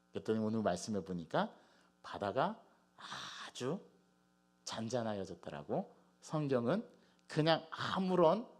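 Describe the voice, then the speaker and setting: A male pastor preaching a Sunday sermon in a church, animated and putting rhetorical questions to the congregation. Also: mid-range voice. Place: church sanctuary.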